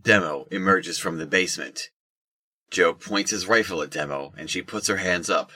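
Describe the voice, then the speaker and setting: Low-voiced man narrating a drama. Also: moderate pace, sharp tone, husky, dry recording, studio quality. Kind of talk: scripted audio drama narration.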